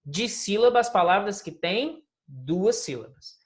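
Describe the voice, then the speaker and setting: A woman's voice: mid-range voice, sing-song, unhurried. A woman teacher, reviewing a recorded lesson and explaining with questions to her pupils. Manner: explanatory, asks the listeners questions.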